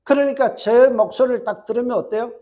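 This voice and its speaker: A middle-aged male pastor with a Gyeongsang Korean accent, preaching a sermon quickly and putting rhetorical questions to his congregation. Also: very high-pitched, fairly even intonation, warm tone. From Gyeongsang, South Korea. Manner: fast-talking, strong regional accent.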